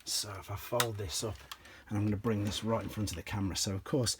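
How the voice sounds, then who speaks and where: A slightly hoarse man, an enthusiastic toy collector, casually explaining and demonstrating pieces from his collection step by step, with frequent ums. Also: fairly low pitch, steady tone, fast talker, background noise. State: slightly hoarse, clears throat.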